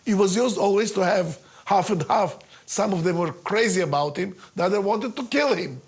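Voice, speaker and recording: A man's voice: high-pitched, moderate pace, husky. A man giving documentary commentary in an explanatory, matter-of-fact way. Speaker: documentary interviewer.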